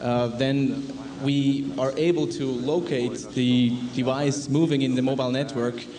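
A man talks at a fairly slow pace with monotone, flat intonation. Noticeable background noise runs underneath. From Switzerland. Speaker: management consultant; conference panelist. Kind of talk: conference presentation. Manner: halting, many fillers. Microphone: podium.

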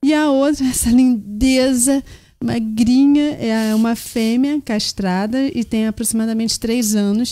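A woman's dark, mellow voice at a fairly high pitch over a quiet background. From Rio de Janeiro, Brazil. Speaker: pet show host. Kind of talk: talk show interview. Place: studio. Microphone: studio mic.

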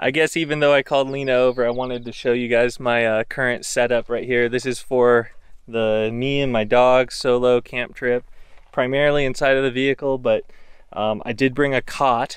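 The man's intonation is monotone and flat, at a moderate pace. The sound is dry, with no echo. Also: quiet background. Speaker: camping vlogger. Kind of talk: casual vlog chat. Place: open country. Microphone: phone near.

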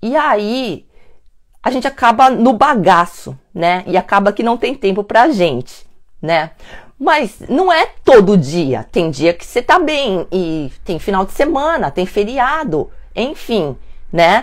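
Very slow speech with very wide pitch swings against a quiet background. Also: woman. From Brazil, São Paulo. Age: 40s. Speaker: time management consultant; time management coach. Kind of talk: live stream talk; live stream talk, advice. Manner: hesitant with fillers. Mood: warm, friendly. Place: home room. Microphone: lapel.

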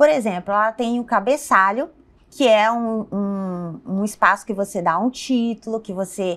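Using ordinary pitch variation, a woman speaks at a fairly slow pace. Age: 40s. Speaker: teacher. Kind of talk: lecture. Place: studio. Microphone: lapel.

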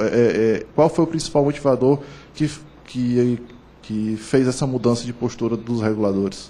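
The man has a normal speaking voice at medium pitch. He keeps a moderate pace and fairly even intonation. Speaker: audience member, regulatory agency staff. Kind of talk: audience question. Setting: seminar auditorium.

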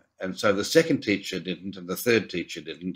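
Light background noise sits under a man's bright, sharp tone and Australian accent. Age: 70s. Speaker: leadership consultant and trainer. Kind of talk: interview. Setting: video call. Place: home room. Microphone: webcam.

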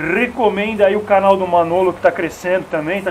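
This man speaks at a moderate pace with a high pitch, over light background noise. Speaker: fishing channel host. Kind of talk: casual vlog chat. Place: waterside. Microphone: phone near.

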